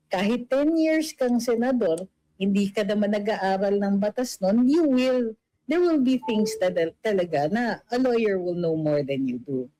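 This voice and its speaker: A woman's voice: medium pitch, dark tone, no room sound, low-quality recording. A middle-aged woman giving casual political commentary and reading viewer comments aloud, chatty, with many fillers and English mixed in. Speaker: political vlogger.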